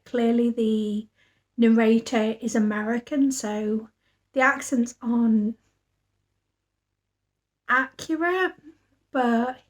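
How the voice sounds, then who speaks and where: A tired woman book vlogger chatting casually after reading all night, rambling and thinking aloud. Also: a little high. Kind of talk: casual vlog chat.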